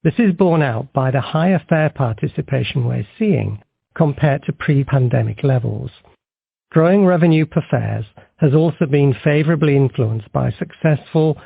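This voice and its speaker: A man with a husky, creaky voice speaks over a narrow, tinny phone line. He delivers prepared corporate remarks like an executive on an earnings call, in a formal and measured way. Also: medium pitch, no echo. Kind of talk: scripted corporate presentation, read aloud.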